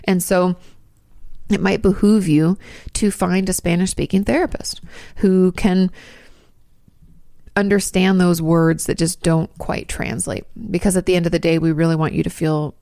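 A woman's voice: fairly low pitch, steady tone, measured pace, vocal fry, warm tone, no echo, studio quality. A woman in her thirties hosting her channel, answering viewer questions in a chatty, rambling way with asides and restarts. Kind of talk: casual advice talk.

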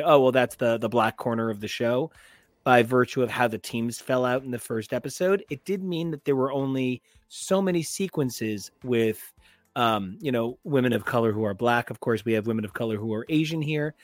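A man's voice: medium pitch, no echo. A man co-hosting a pop culture podcast, chatting casually and gushing about shows, with lots of fillers. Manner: animated and gushing, with frequent fillers. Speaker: podcast co-host. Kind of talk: casual chat.

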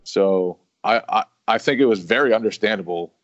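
Low-voiced easygoing man on a podcast. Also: normal speed, dry recording. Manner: easygoing, self-mocking, stumbles and restarts. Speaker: sports podcast co-host. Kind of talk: casual sports podcast chat. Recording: dry, slightly dull lo-fi audio.

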